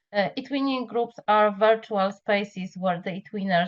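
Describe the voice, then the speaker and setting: A woman speaks at a fairly slow pace in a medium pitch, her voice somewhat breathy. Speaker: teacher and group moderator. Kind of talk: webinar presentation. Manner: formal.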